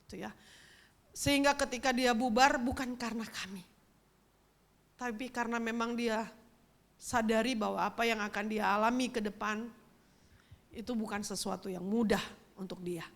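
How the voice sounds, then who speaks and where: A woman's voice: fairly high pitch, steady tone, moderate pace, creaky, pauses often. A middle-aged woman pastor, giving a sermon as a chatty personal story and speaking straight to the congregation. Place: church.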